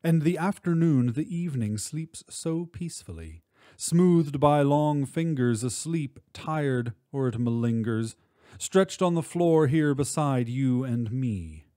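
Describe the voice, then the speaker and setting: A man giving an expressive, measured recitation of literary poetry, drawing out words for emphasis. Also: medium pitch, dry recording, clean studio sound. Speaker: poetry reader.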